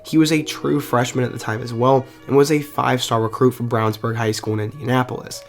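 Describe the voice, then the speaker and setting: A man's voice: medium pitch, little pitch movement, a little fast, faint music behind. A man hosting a sports video channel, reading a scripted narration in an upbeat, conversational fan tone while getting over the flu. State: recovering from the flu. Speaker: YouTube sports video host.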